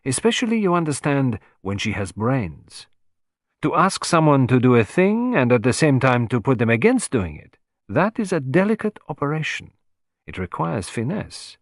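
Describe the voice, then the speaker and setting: A man's voice: medium pitch, very animated, moderate pace, no room sound, clean studio sound, pitched above the performer's own voice. A man voicing a vain, fussy little male detective who speaks in a courtly, self-satisfied and precise way. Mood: musing.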